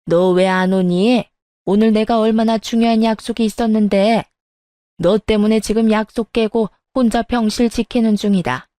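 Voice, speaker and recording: A woman's voice: mid-range voice, fairly even intonation, warm tone, no room sound, clean studio sound, natural voice. Woman doing a scolding bossy mother-in-law. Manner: harsh, scolding, slow and emphatic. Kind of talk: story narration with acted voices.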